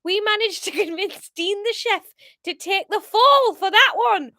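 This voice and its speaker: A woman's voice: very high voice, unhurried, sharp tone, no room sound, clean studio sound, pitched above the performer's own voice, exaggerated voice. A woman voicing a taunting, sweary male gang leader from a story in an attempted Geordie accent.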